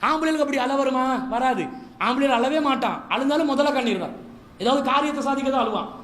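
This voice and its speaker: Male preacher with a very high voice, humorous storyteller. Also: fast. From Sri Lanka. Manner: humorous, lively storytelling with mimicry and asides. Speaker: Islamic preacher. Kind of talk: Ramadan lecture series talk.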